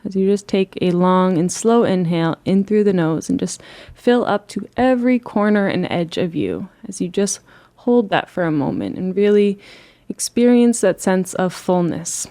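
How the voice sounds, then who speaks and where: A woman leading a guided relaxation as a meditation teacher, speaking in a soothing, gentle and unhurried way. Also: lowish voice, animated.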